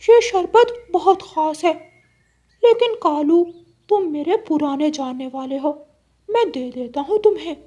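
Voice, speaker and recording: A woman's voice: high-pitched, animated, a little slow, dark tone, highs cut off. A woman voicing a chirpy cartoon parrot. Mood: friendly. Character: high-voiced male parrot, friendly.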